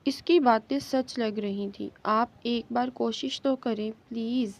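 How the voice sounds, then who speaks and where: A woman's voice: on the high side, fairly even intonation, lightly acted. A woman voicing a worried young woman who pleads insistently through tears in a story reading. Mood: pleading. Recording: dull lo-fi recording.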